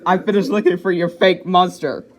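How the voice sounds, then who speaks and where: A stubborn male storybook know-it-all, read out by a man, very high in pitch. He is argumentative and insistent, always contradicting. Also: normal speed, natural voice. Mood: smug, dismissive.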